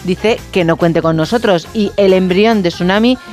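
Female co-host, mid-pitched voice, brisk headline reading, faint music under. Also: darkish tone. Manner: brisk, chatty. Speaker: radio news co-presenter. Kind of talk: press review reading.

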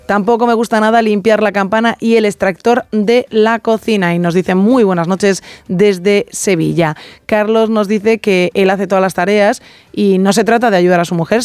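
A woman's voice: medium pitch, a little mellow, no room sound. Easygoing woman, dry studio. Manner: easygoing, laughs along. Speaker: radio co-host. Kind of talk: casual radio banter, reading listener messages. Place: radio studio.

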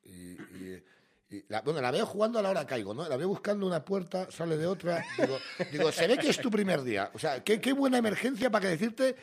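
Lively, husky man telling a story. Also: brisk. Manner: animated and swearing, drops low and quiet for quoted characters. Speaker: comedian and panelist. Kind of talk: comic storytelling on a radio show.

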